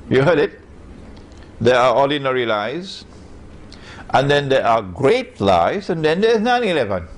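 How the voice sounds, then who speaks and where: A man lectures at an unhurried pace. His pitch rises and falls in wide, animated sweeps. He stresses his points and keeps putting rhetorical questions to his listeners. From Trinidad and Tobago. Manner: emphatic, rhetorical questions to the audience. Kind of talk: public lecture.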